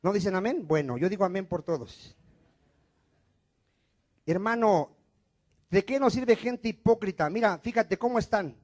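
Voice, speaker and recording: A man with a high voice preaches a sermon in church, questioning his listeners and answering himself. His delivery swings between loud, emphatic lines and quiet, falling endings. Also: expressive, unhurried, long pauses. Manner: call-and-response preaching, asks questions and answers them himself. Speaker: pastor.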